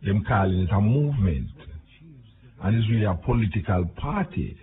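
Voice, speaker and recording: A man's voice: on the low side, lively intonation, moderate pace. A Jamaican man giving a rambling, indignant political rant. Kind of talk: political commentary monologue. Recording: tinny phone-like audio with noise.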